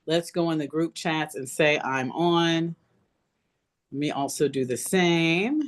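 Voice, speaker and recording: A woman's voice: low voice, slow pace. A woman leading a live motivational online class as a coach, speaking emphatically and repeating phrases to encourage her listeners. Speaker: business coach hosting an online masterclass. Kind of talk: live motivational webinar talk.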